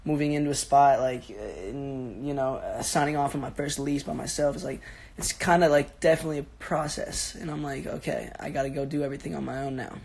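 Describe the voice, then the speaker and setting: A young man in his twenties with a raspy, sick-sounding voice, chatting casually and answering fans on a phone livestream from his bedroom. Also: mid-range voice, steady tone, fairly quick, darkish tone. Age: 20s. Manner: laid-back, rambling, slangy, answering fans. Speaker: social media personality on a livestream. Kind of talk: casual livestream chat reading comments. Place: bedroom at home.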